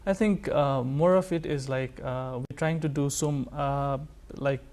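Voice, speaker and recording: A male folk musician with a Nepali accent speaks in a casual interview, his pitch in the middle range. He talks haltingly, circling through fillers as he explains himself. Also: steady tone, a little mellow. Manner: hesitant, halting delivery full of like and you know. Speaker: folk musician, sarangi player, guest; music educator.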